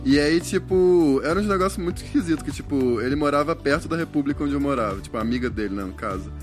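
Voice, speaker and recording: A man's voice: a little high, fast. A man in a casual chat, telling a story expressively and acting out what he said. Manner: expressive storyteller, acts out his own outbursts. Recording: faint music underneath. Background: faint background music.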